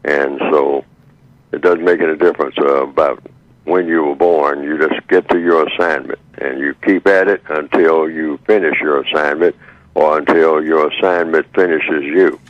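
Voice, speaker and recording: A man in his eighties speaking by phone as a radio guest over a clipped line, slow and measured with halting fillers. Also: a bass voice, fairly even intonation, no echo. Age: 80s. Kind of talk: radio call-in talk by phone. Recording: dull, dry phone line.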